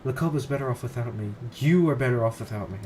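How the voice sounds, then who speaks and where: A man's voice: mid-range voice, fast talker, a little mellow, natural voice. A man voicing a despairing teenage schoolgirl on a rooftop ledge, pleading and stumbling over the text, over background noise.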